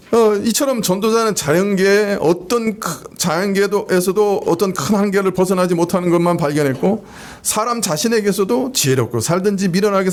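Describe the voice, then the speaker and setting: A man preaches a Sunday sermon from a church pulpit. His voice sits high for a man. He speaks conversationally and keeps turning to the congregation with rhetorical questions. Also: a little mellow. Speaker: pastor. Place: church sanctuary.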